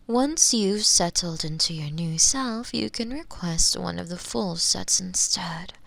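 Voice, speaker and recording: A woman playing a smug, menacing female mad scientist in a theatrical ASMR roleplay, condescending and sometimes breathy, close on a binaural microphone. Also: fairly low pitch, fairly bright tone, no room sound. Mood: mock disappointed. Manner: theatrical, condescending, sighing, slipping into breathy whispers. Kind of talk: roleplay ASMR monologue, spoken to the listener.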